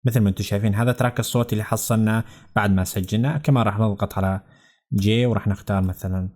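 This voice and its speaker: A man with a Levantine Arabic accent narrating a software tutorial step by step in a conversational, explanatory way. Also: on the low side. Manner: conversational, explanatory, addressing viewers directly. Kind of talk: instructional screencast narration, step by step.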